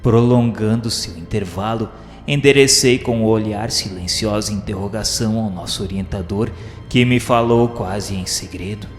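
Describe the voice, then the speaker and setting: A man's voice: on the low side, normal speed, natural voice. A man playing a witness who narrates a spirit-world journey in a radio drama, in a formal, grave, literary way. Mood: grave, observant. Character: male witness narrating his journey through the spirit underworld. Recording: echoey long reverb, faint music. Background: faint music.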